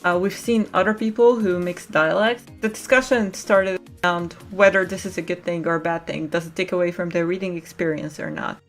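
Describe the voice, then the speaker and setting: A woman hosting a podcast roundtable, moderating the discussion with some hesitant, pausing phrasing. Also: on the low side, steady tone, soft background music. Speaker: podcast host.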